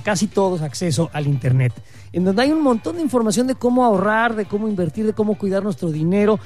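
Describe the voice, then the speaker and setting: A Mexican man co-hosting a talk show, giving blunt, profane opinions. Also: high voice. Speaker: co-host. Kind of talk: casual opinion commentary.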